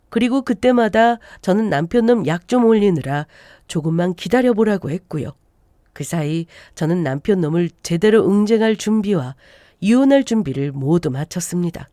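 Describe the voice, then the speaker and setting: A woman in her forties reads a first-person story aloud, her pitch rising and falling with animated, expressive turns. Her tone is mellow and darkish, and the sound is close and dry, with no room around it. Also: no echo. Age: 40s. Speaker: narrator. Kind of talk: scripted story narration.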